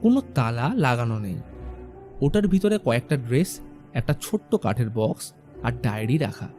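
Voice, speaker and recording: Man, scripted horror narration, suspenseful, dark mellow tone, lively pitch, faint background music. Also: moderate pace. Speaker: storyteller.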